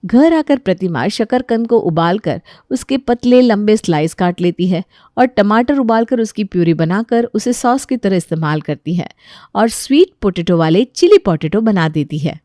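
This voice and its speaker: Calm woman storyteller, dry sound. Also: mid-range voice, normal speed, no echo. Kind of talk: scripted bedtime story narration.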